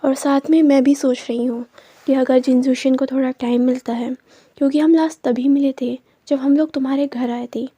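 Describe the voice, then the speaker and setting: A woman's voice: sits high, steady tone, normal speed, warm tone, slightly rough, dry recording. A bossy big-sister type, as a woman reads her lines. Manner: teasing and commanding.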